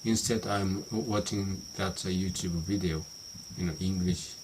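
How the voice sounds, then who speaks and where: A middle-aged man from Japan with a Japanese accent, talking about how he learns English in a halting monologue full of restarts and "you know" fillers. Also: low-pitched, steady tone, noisy background. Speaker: vlogger. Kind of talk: unscripted monologue practicing English.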